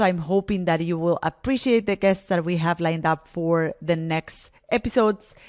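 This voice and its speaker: A woman whose first language is Spanish, hosting a solo podcast in an earnest, encouraging way with frequent restarts. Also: fairly low pitch. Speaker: podcast host.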